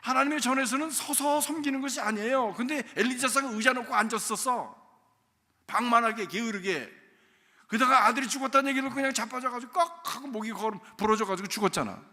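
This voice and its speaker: A man preaching a storytelling sermon as senior pastor, talking conversationally and swinging between loud emphasis and soft, near-whispered asides. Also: very high voice, fast. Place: church sanctuary. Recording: reverberant church sanctuary.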